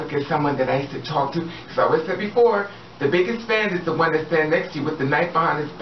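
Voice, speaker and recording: Sassy outspoken woman, roomy distant sound. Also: deep voice. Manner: sassy, blunt and outspoken, with swearing. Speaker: vlogger. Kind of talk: direct-to-camera monologue. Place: hallway at home, indoors. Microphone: camera a few steps away. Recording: roomy, distant, dull sound with background hiss.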